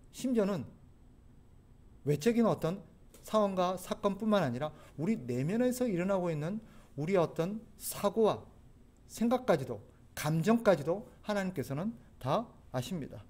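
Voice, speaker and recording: A man's voice: high voice, lively intonation, normal speed, darkish tone. A man preaching a sermon as pastor, earnest and exhorting, at times pleading with urgency. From South Korea.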